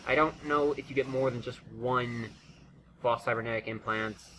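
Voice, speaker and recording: Male game walkthrough host: bright, forceful voice, mid pitch, off-the-cuff and halting, noisy recording. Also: steady tone. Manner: rambling, halting, self-interrupting. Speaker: gaming video commentator. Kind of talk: casual unscripted game walkthrough commentary.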